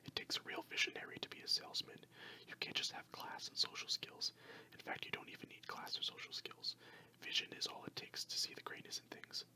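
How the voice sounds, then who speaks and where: A narrator voicing a grumbling, boastful male traveler in a breathy, emphatic ASMR story whisper. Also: brisk, bright, forceful tone, low-quality recording. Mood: boastful, mocking.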